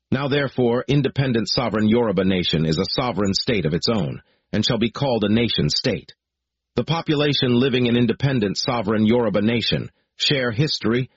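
A man reading out a formal political declaration in a solemn, deliberate, measured way. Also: lowish voice, breathy edge, no room sound. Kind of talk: formal read proclamation. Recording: dry, dull lo-fi recording.

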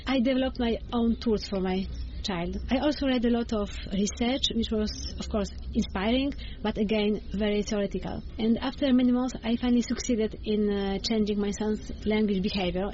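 A woman's voice: fairly high pitch, a little mellow, slight background noise. Polish-accented woman explaining her method. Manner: earnest, explanatory, with frequent hesitations. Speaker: bilingual education coach. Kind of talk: interview answers. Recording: slightly dull with faint ambience.

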